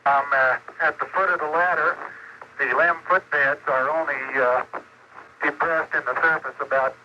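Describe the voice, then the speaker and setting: A man speaking as an astronaut over a live radio link, his voice fading in through static, halting and pausing with fillers. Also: fairly high pitch, steady tone. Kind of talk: live radio transmission from the moon. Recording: muffled radio transmission with static hiss.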